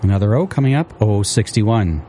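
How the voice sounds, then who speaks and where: A man calling bingo numbers on local radio, repeating each one slowly and steadily. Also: fairly low pitch, animated, warm tone, a little hiss or hum.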